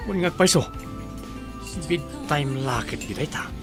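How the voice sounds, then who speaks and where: Flirty gay waiter, eager, playful, lively swooping pitch, radio comedy drama, music behind. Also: measured pace. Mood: gossipy.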